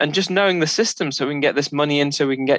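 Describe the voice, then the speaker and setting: In a dry, close sound with no echo, a man with a British accent speaks at a fairly high pitch with ordinary pitch variation. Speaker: parapsychologist. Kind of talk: interview.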